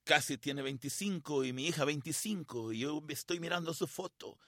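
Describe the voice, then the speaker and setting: A middle-aged man preaching a sermon, telling a personal story with feeling and dramatic pauses. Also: on the high side, bright, forceful tone, dry recording, clean studio sound. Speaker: pastor.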